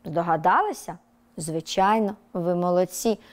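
A woman teaching a televised lesson to young children, telling a little story and dictating words slowly and clearly. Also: lowish voice. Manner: lively storytelling tone. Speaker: primary school teacher. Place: TV studio.

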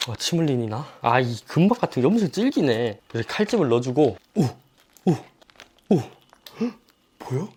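A man's voice: medium pitch, very animated, moderate pace, pauses often, darkish tone, a little hiss or hum. A man filming a casual fishing and cooking vlog, exclaiming often as he talks. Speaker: fishing vlogger and cook.

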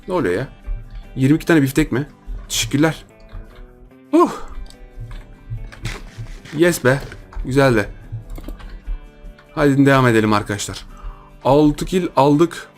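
A young man giving jokey, excitable Minecraft gameplay commentary, talking to viewers and teasing his opponents. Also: mid-range voice, measured pace, long pauses, faint music behind. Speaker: gaming YouTuber.

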